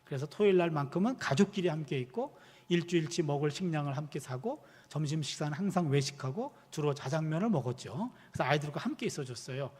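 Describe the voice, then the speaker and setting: Middle-aged pastor guy telling family stories in a sermon, high voice that swings all over, church hall reverb. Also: quick pace, breathy edge. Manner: animated storytelling, acting out quoted dialogue. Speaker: pastor and university professor. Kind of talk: sermon with personal anecdotes. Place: church sanctuary.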